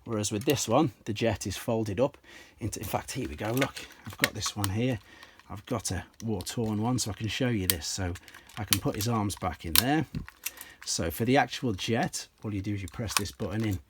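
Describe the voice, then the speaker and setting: A slightly hoarse man, an enthusiastic toy collector, casually explaining and demonstrating pieces from his collection step by step, with frequent ums. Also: fairly low pitch, moderate pace, very noisy. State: slightly hoarse, clears throat.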